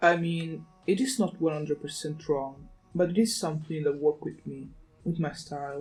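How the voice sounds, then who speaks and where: With background music playing, a man talks at a moderate tempo. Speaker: artist and animator. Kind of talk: casual talk to camera.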